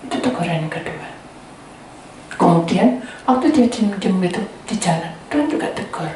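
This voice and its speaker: A woman's voice: mid-range voice, lively intonation, normal speed, dark tone. A woman pastor preaching a sermon, telling a testimony and speaking often to the congregation. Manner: addresses the congregation often, acts out quoted speech. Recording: very echoey, from far off, faint ambient noise.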